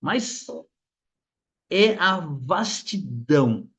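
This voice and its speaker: A middle-aged man explaining psychology in an animated way, often acting out the voices he quotes. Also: on the high side, drawn-out words. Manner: animated, acts out quoted voices, many restarts. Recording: dull lo-fi sound.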